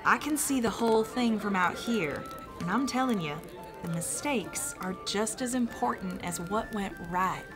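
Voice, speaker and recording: A woman's voice: mid-range voice, animated, measured pace, over music, lightly acted. A woman playing a plucky, teasing young ghost of a village sister in an audio drama, with a folksy, plain-spoken manner. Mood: earnest.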